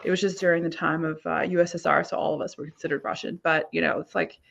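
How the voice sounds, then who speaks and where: A woman's voice: low voice, little pitch movement, quick pace, gravelly, a bit bright, a little hiss or hum. A woman from Ukraine hosting a live online tarot reading, chatty with many fillers. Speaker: host. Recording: dull lo-fi sound.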